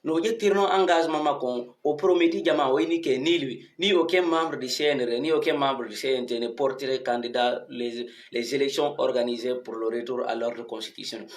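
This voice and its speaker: A man's voice: mid-range voice, a little fast, few pauses. A man giving an informal, emphatic commentary to followers, often asking rhetorical questions. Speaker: online commentator addressing followers. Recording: echoey untreated room.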